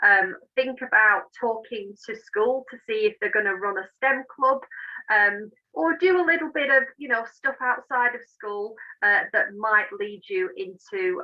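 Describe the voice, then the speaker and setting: A woman's voice: medium pitch, lo-fi sound. A woman being interviewed as an engineer, explaining and giving advice in an emphatic, encouraging, informal way. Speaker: interview guest, engineer and managing director.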